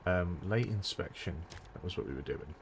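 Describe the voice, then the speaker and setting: Chuckling often, a man gives casual let's-play commentary in a deep, expressive and creaky voice at normal speed. The strain in his voice suggests he's close to losing it, and there's slight background noise.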